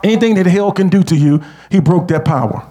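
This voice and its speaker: A man preaching a sermon, leading the congregation in call-and-response and rising to shouts. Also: high voice, fairly quick.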